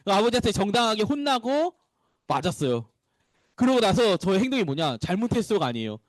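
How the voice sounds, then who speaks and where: A man who is a pastor, giving an animated, playful sermon to small children and asking them questions as he goes. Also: sits high, fairly quick, no room sound. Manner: playful storytelling.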